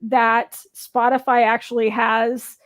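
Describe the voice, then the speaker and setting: A woman's voice: fairly high pitch, little pitch movement, slow pace. A woman co-hosting a casual panel discussion, explaining things in a conversational way. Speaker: talk show co-host.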